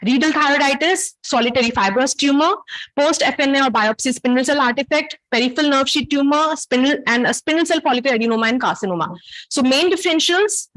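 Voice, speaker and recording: A woman with a South Asian accent speaks in a high voice as she teaches. She lectures through cases in a didactic, academic way and turns to her listeners with questions. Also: quick pace, a bit bright, poor audio. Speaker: medical lecturer. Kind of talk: interactive academic case-based lecture.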